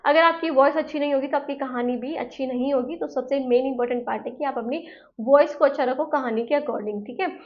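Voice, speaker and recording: Female lecturer, high voice, chatty explaining style with frequent check-ins, slightly dull recording. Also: brisk. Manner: explains in Hindi mixed with English terms, repeats "है ना". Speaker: teacher. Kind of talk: exam-prep lecture.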